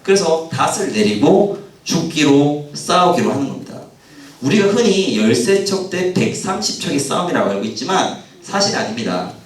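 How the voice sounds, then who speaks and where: Animated male lecturer in an echoey hall. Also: a little high, moderate pace. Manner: animated, asks audience questions, acts out quoted lines. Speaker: history lecturer. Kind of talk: lively public history lecture. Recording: roomy hall sound, mic at a distance.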